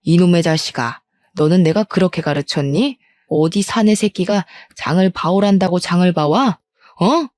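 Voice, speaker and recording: A woman voicing a harsh, nagging middle-aged mother-in-law who belittles with rapid-fire questions. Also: lowish voice, darkish tone, no room sound, lightly acted. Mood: scolding.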